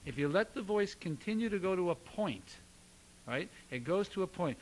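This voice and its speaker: A man teaching a singing lesson, coaching with upbeat cues and quick demonstrations. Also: high voice, expressive, a little hiss or hum, poor audio.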